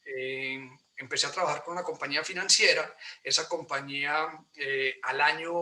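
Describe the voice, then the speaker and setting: A Colombian man in his forties with an Antioquian accent, hosting an online presentation in a warm, polite way, often pausing with fillers. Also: fairly high pitch. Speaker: host and real estate broker. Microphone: video call.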